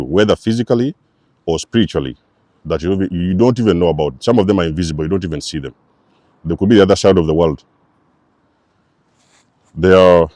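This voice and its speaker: A man's voice: sits low, darkish tone, dry recording, clean studio sound. A man hosting a spiritual channel, giving an emphatic, repetitive preacher-like talk to his viewers. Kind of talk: spiritual teaching monologue.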